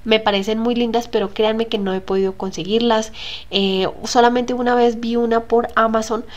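A woman's voice: on the high side, fairly even intonation, normal speed, lo-fi sound. A young woman, talking viewers through her kitchen organizing in a casual, chatty voice-over full of asides and fillers. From Colombia. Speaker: home vlogger.

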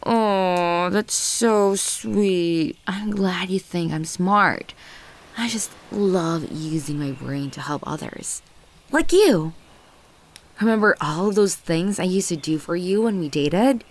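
A woman playing a possessive, manipulative ex-girlfriend in an ASMR audio roleplay, condescending and volatile, with teasing, lingering, breathy delivery. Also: lowish voice, takes it slowly. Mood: sweet, smug. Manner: condescending, teasing, lingering on words, often breathy half-whispers.

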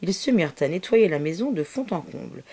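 A woman reading a children's story aloud, her voice rising and falling in lively, expressive sweeps. The tone is soft and mellow, sitting a little low, and she drops into soft whispered asides to the child. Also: a little fast.

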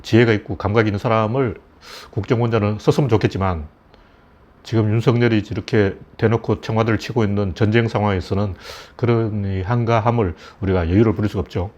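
A man's voice: fairly low pitch, fairly even intonation, fast talker, a little mellow. A middle-aged man giving casual, blunt political commentary with scornful, mocking asides. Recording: dull lo-fi recording.

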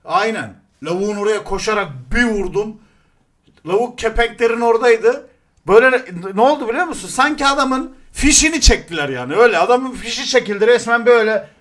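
A young man hosting a casual chat, telling stories in an animated, crude, joking way. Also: extremely high pitch, fairly quick. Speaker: show host.

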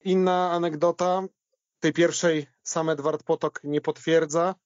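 A man with a slightly high voice tells anecdotes in a conversational podcast style. The sound is dry and a little dull. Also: flat delivery, measured pace, no echo.

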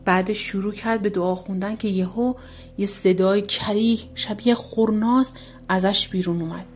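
A woman narrating a scary story in a hushed, suspenseful way. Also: mid-range voice, steady tone. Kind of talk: scripted horror narration. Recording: faint music behind voice.

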